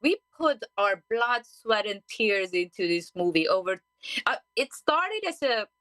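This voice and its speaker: A woman in her forties from Hungary with a Hungarian accent, a diving guest telling her story in an animated radio interview. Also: mid-range voice, measured pace, no room sound, rough recording. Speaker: guest, underwater safety diver. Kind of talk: interview conversation. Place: radio studio.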